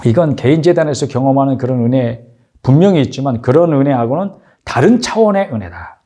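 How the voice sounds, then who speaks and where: A man's voice: mid-range voice, animated, fairly quick, mellow. A man preaching a sermon as pastor, exhorting his congregation with rhetorical questions.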